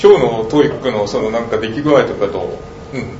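A man's voice: mid-range voice, fairly quick, a little mellow. A man asking the co-host curious questions in a casual chat. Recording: roomy, dull and faintly noisy.

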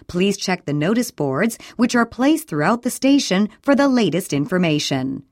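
A woman reading a scripted train station announcement in a measured, formal way with careful enunciation. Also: mid-range voice, very animated, darkish tone, no room sound, clean studio sound. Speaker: recorded station announcer for listening practice.

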